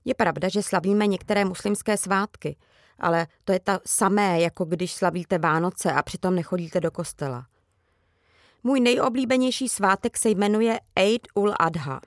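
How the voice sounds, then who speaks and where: A woman's voice: medium pitch, no room sound, studio quality. Woman reading a children's story. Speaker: reader. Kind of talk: reading a children's book aloud.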